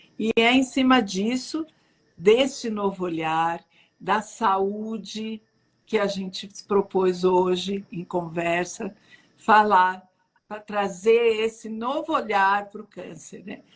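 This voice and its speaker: A woman's voice sits at a medium pitch. She takes her words at a very slow pace. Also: ordinary pitch variation, big swings in loudness. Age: 60s. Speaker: psychologist and cancer survivor hosting a live. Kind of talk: live-stream conversation. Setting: online live stream. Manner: halting, with many repetitions.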